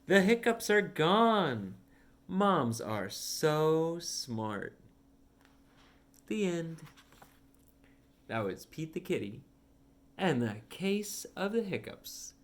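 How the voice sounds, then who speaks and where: A man reading a children's picture book aloud as a storyteller, with simple, deliberate phrasing. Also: fairly high pitch, sing-song. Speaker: read-along storyteller.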